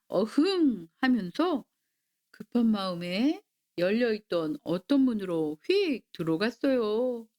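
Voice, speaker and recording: A woman's voice: on the high side, warm tone. A woman narrating a traditional folktale as a soothing bedtime story. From Korea. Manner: slow, soothing, sing-song storybook delivery.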